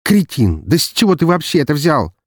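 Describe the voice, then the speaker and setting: Audiobook: male reader as a yelling, exasperated older brother, pitched up and loud, husky timbre. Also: wildly swooping pitch, brisk, dry recording, clean studio sound. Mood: furious shouting. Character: furious older brother, young man, shouting.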